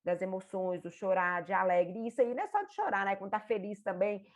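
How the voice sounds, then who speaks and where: A woman with a Brazilian Portuguese accent, a therapist and mother, giving an informal, animated teaching talk. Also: medium pitch, quick pace. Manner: animated, acts out examples in a lively voice. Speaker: therapist and mother of an autistic child.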